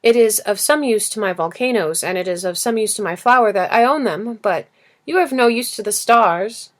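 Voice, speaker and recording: A woman voicing a serious, curious small boy in a storybook, asking simply and thoughtfully with gentle persistence. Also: medium pitch, moderate pace, pitched above the performer's own voice, close to an everyday voice. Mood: thoughtful, earnest. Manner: earnest questioning, simple and thoughtful. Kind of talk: storybook character reading.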